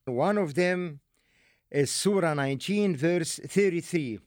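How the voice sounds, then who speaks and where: A man from Egypt, giving a deliberate, emphatic teaching lecture with rhetorical asides. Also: on the high side, expressive, darkish tone, no room sound, clean studio sound. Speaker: religious lecturer.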